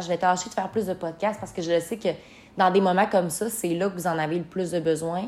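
Here a woman has a Quebec accent. She speaks fairly quickly at a medium pitch. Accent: Québécois French. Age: 20s. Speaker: podcaster. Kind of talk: motivational monologue. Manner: animated.

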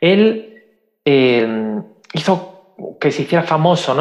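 His intonation is lively. The man talks with a Spanish accent. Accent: Spanish (Spain). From Spain. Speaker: psychology program director. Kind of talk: casual chat.

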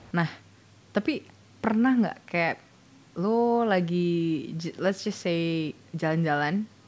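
A woman with a fairly low pitch speaks at a very slow pace, with long, frequent pauses. Her loudness is very even and her pitch varies in an ordinary way. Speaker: podcast host, student. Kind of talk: casual chat.

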